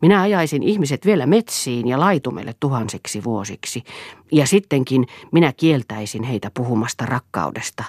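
A woman's voice: very deep voice, animated, darkish tone, slightly rough, no room sound, studio quality, heavily acted. A woman reading the part of a bitter, scornful middle-aged husband in a sneering, provoking tone.

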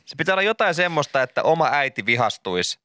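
A man's voice: a little high, big pitch swings, sharp tone, no echo. A man co-hosting a radio show, joking and chatting expressively in the studio. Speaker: radio co-host. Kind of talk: casual studio chat.

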